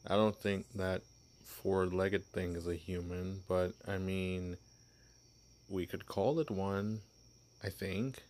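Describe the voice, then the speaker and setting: A man's voice: low-pitched, fairly even intonation, slow, darkish tone, slight background noise. A man voicing a shy, clueless young male vampire posing as human in an ASMR roleplay, stammering and apologizing. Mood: nervous bluffing.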